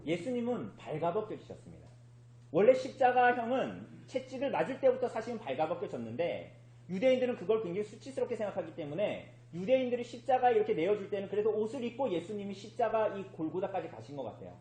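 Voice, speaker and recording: A man's voice: high-pitched, big pitch swings, quick pace, dark tone, echoey room, slight background noise, rough recording. A man preaching a sermon as pastor in a church, who keeps asking the congregation questions and then answering them himself. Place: church sanctuary.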